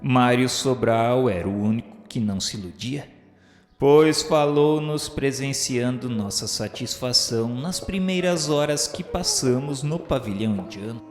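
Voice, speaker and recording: Male narrator, Brazilian, measured and literary radio storytelling, heavy echo over a music bed. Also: mid-range voice. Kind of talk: scripted dramatic radio narration. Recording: echoey hall reverb under music.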